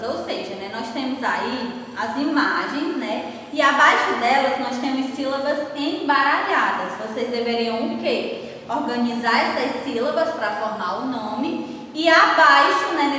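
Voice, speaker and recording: A Brazilian Portuguese-accented woman teacher going over a workbook lesson, speaking slowly and clearly and spelling out syllables letter by letter. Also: high voice, bright, forceful tone. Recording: echoey room, far from the mic, faint hiss.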